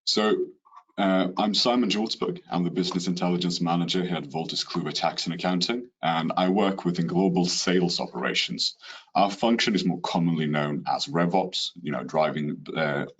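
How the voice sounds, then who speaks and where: A man's voice: low-pitched, normal speed, slightly rough. A man with a Swedish accent from Sweden gives a rehearsed business webinar presentation over a call, dropping in the odd "you know". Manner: steady, rehearsed delivery with occasional "you know" fillers. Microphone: computer mic on a video call.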